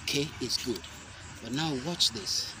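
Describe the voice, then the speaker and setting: A young man demonstrating self-defense moves, explaining each step slowly and deliberately, with sharp shouted cries on the strikes. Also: mid-range voice. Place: outdoor concrete court. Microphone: camera mic at a distance. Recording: outdoor noise from a camera mic.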